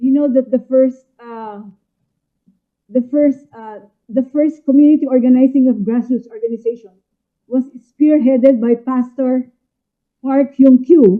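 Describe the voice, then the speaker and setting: A woman talks at a high pitch and a fairly slow pace, her intonation fairly even, with big swings in loudness and long, frequent pauses. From Philippines. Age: 70s. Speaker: grassroots organizer. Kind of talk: forum presentation. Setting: video call. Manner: halting.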